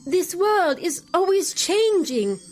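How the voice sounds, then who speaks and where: A woman's voice: extremely high pitch, sing-song, slow pace, faint music behind, full character voice. A woman playing an imperious, scatterbrained old queen in an audio drama, weary, fussy and dismissive, speaking in a regal, theatrical manner. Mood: brooding, dismissive.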